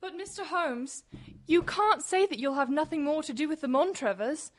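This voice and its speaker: A woman's voice: sits high, normal speed, faint music behind, lightly acted. A woman playing an earnest young lady who pleads formally for help in an old-time radio drama. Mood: pleading.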